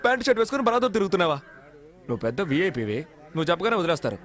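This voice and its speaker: A sly, streetwise young prisoner in a dubbed film, trading jabs in a high, brisk voice. He rattles his lines off quickly, mocking one moment and sulking the next. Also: sing-song, fairly bright tone. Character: cheeky jailed young man, sly and wounded. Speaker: film character.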